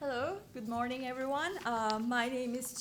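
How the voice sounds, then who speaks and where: A woman talks fairly quickly in a fairly high pitch, with ordinary pitch variation. Her tone is bright and sharp. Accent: Turkish. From Turkey. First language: Turkish. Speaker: professor, panel moderator. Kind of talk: panel moderation.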